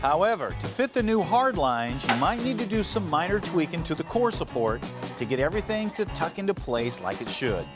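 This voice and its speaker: A man's voice: on the high side, big pitch swings, a little fast, over music. A man hosting an automotive build show, explaining things in a folksy, instructional way. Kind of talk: instructional TV presenting.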